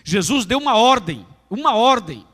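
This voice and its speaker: A man's voice: high voice, big pitch swings, normal speed, a bit bright. A Brazilian man preaching a sermon as pastor, emphatic and repetitive, speaking straight to his congregation in a large church. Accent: Brazilian Portuguese. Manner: emphatic, repetitive preaching, addresses listeners directly. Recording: echoey church hall.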